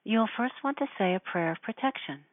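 A woman speaking in a measured, deliberate way, giving spiritual instruction and guided meditation. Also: medium pitch, animated, no room sound. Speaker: spiritual teacher guiding listeners. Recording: narrow phone-like sound.

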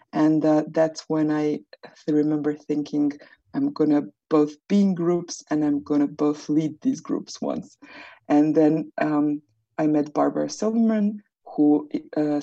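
A woman from Serbia introducing herself as a guest, talking hesitantly with many pauses. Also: low voice, vocal fry, warm tone, breathy edge, no echo, muffled recording. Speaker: guest, international trainer. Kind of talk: casual self-introduction.

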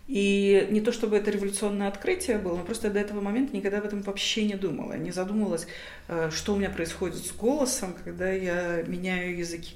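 A woman's voice: fairly low pitch, a little mellow. A woman talking as an academic guest, thoughtful and hesitant, with many fillers and restarts. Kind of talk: reflective interview answers. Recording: roomy echo.

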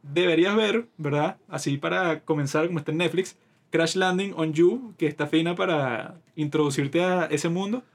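A man's voice: fairly high pitch, moderate pace. A man with a Venezuelan accent chatting casually as a podcast co-host, talkative, slangy and opinionated. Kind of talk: casual chat.

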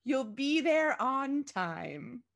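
A woman's voice: sits high, big pitch swings, very slow, gravelly, a bit bright, voice pushed up, full character voice. A woman reading a story aloud and voicing an effusive, anxious, gushing mother with an overdramatic manner. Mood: melodramatic, anxious.

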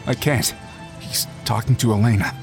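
A man playing a glib, excitable, reckless treasure hunter in an audio drama. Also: mid-range voice, moderate pace, gravelly, soft background music, lightly acted. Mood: hurried.

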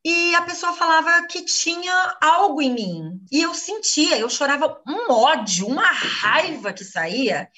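A woman's voice: high-pitched, very animated, measured pace, hardly any pauses, bright, forceful tone, far from the mic. A Brazilian woman giving an earnest personal testimony in a live class, acting out the things she once said. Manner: earnest, acts out her own quoted speech.

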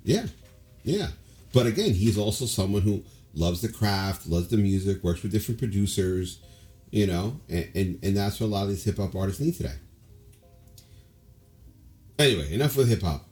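A man's voice: fairly low pitch, animated, moderate pace, pauses often, darkish tone, soft background music. A man co-hosting a casual podcast, talking at length with strong opinions and lots of fillers. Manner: rambling, opinionated, many fillers. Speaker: podcast co-host. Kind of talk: casual chat.

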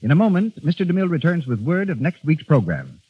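A man announcing on an old radio show, reading program credits in a brisk, formal broadcast manner. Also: fairly high pitch, big pitch swings, a little hiss or hum. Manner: brisk, crisp read credits. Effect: old radio show broadcast sound. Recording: dull lo-fi old radio recording.

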